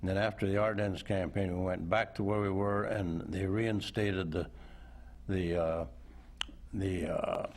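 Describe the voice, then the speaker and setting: A man in his nineties, a veteran recounting memories as a studio interview guest, unhurried and thoughtful with frequent pauses. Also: low voice, steady tone. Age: 90s. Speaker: war veteran and author. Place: indoor television studio.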